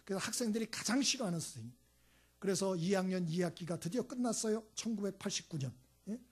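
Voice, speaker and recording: A male pastor preaches a sermon in a high, breathy voice. He is emphatic, swinging between loud exclamations and quiet hushed asides. He acts out the voices in his stories as he tells them. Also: animated, fast. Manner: tells anecdotes acting out voices.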